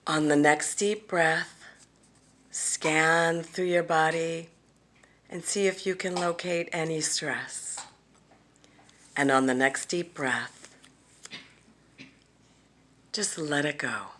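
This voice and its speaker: A woman guides a meditation at a very slow pace, in a slightly low voice. Her delivery is gentle and deliberate, leaving long pauses between phrases, some of them softly breathed. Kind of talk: guided visualization, soothing meditation narration.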